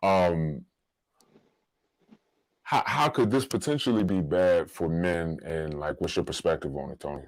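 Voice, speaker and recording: Low-voiced American man podcasting. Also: unhurried, pauses often, no echo, rough recording. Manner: informal, slangy, conversational. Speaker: podcast host. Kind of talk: casual podcast talk with personal stories and advice.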